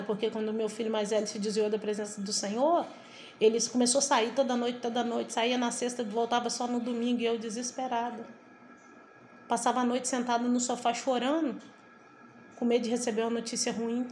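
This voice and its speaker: A middle-aged woman from Brazil delivers a devotional sermon to the camera. Her voice sits high, and she preaches fervently, with emphatic stresses and repeated phrases. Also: level tone, brisk, darkish tone, a little hiss or hum. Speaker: evangelical preacher.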